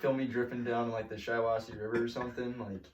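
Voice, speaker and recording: A young man co-hosting a casual podcast, trading dry, deadpan jokes with a friend. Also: mid-range voice, quick pace. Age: young adult. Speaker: podcast co-host. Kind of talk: casual chat. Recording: echoey room, mic at a distance.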